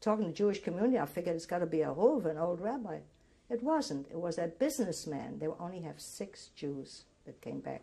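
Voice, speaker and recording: At a fairly quick pace, a woman speaks with fairly low pitch, a dark, mellow tone, and vocal fry. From born in Greece, raised abroad from age four. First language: Greek. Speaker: Holocaust-era survivor interviewee. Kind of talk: oral history interview. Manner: halting.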